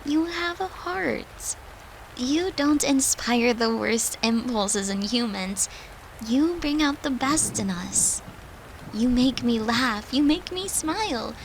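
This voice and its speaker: Steady rain-like noise sits behind a tender, devoted girlfriend, acted by a woman in an intimate comfort roleplay. Her voice is fairly high, with a creaky edge. She speaks slowly and soothingly, with great affection. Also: exaggerated voice, rough recording. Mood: loving, earnest. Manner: soft, soothing, affectionate, unhurried, at times whispering.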